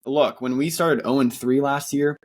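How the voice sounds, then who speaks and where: A man's voice: medium pitch, fairly even intonation, normal speed. Man, sore throat, worn voice, casual podcast co-host, earnest, rambling. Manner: earnest, rambling with many fillers and restarts. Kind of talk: casual sports podcast chat.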